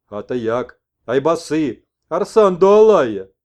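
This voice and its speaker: A man voicing an old toothless shaman messenger who speaks in broken phrases and loud chanted exclamations. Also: on the high side, sing-song, takes it slowly, pitched above the performer's own voice. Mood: chanting.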